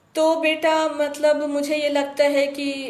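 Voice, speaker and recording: There is audible room echo as a woman speaks. Music plays in the background. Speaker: college Hindi lecturer. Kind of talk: online class lecture with Q&A. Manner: hesitant fillers, conversational.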